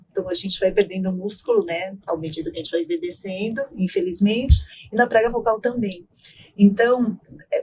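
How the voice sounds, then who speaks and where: Woman, doctor, podcast guest, calm explanations, medium pitch, faint background hiss. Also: low-quality recording. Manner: calm explanatory, many tag questions.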